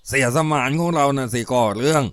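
A wounded outlaw from a spoken storybook, hiding and worn out, voiced by a male narrator in his own register. He explains his trouble in a tired, even way. The recording is close and dry. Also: medium pitch, a little fast, clean tone, no echo, natural voice. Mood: weary.

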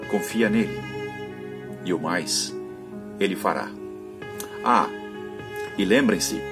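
An older man, a pastor, telling a Bible story in a sermon to camera from his home study, gesturing as he talks. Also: fairly low pitch. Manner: expressive storytelling with hand gestures.

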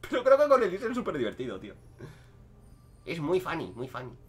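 A young man talks over his gameplay in a casual, joking way. His voice sits a touch high for a man and leaps around a lot, from loud sudden outbursts down to quiet muttering asides. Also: huge pitch swings, a little fast, faint music behind. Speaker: gaming streamer.

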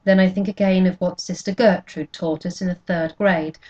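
A woman reading a novel aloud in first person, with measured, quietly expressive narration, in a dull lo-fi recording. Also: lowish voice. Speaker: audiobook reader.

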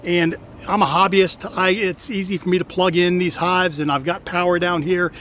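A man's voice: sits high, fairly even intonation, normal speed, a bit bright. A middle-aged man hosting a casual beekeeping vlog outdoors, talking in a chatty way with exclamations and repeated restarts. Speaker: hobbyist beekeeper and channel host. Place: outdoors in a wooded backyard apiary. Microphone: camera on a tripod at a distance. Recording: faint outdoor noise, bees and insects.

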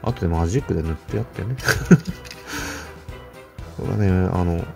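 A man's voice: low voice, fairly quick, vocal fry, mellow, faint music behind. A man casually chatting to himself while opening toy cars, muttering asides and chuckling. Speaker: toy car collector vlogger. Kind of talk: casual unboxing chat.

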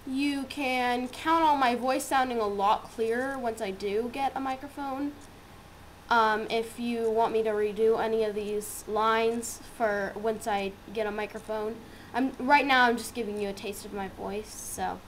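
A woman's voice: a little high, slight background noise. A woman chatting casually and hesitantly to online viewers as an amateur voice actor, on a basic computer microphone. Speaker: amateur voice actor recording an audition.

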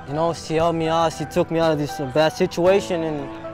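Earnest young man, halting interview talk. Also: on the high side, fairly even intonation. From Palau, raised in Hawaii. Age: young adult. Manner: earnest, hesitant, says "man" often. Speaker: program student. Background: music bed.

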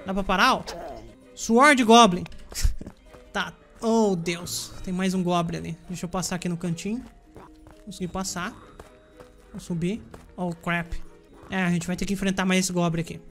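Chatty Brazilian gaming commentator. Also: male voice, sits high, steady tone, moderate pace, long pauses, fairly bright tone, faint music behind. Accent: Brazilian Portuguese. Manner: chatty, addresses viewers, yelps when playing. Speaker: gaming YouTuber. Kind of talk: let's play commentary.

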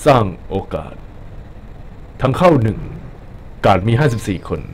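A young man giving casual, joking commentary over his gameplay, excitable and swearing at enemies. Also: medium pitch, measured pace, a little hiss or hum. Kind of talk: casual Let's Play commentary.

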